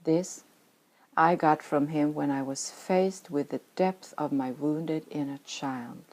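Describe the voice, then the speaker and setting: This Swedish-accented woman, middle-aged and a native speaker of Swedish from Sweden, reads slowly from her spiritual memoir. Her low-pitched voice is steady and darkish, the delivery earnest and reflective with occasional whispers, captured on a rough recording.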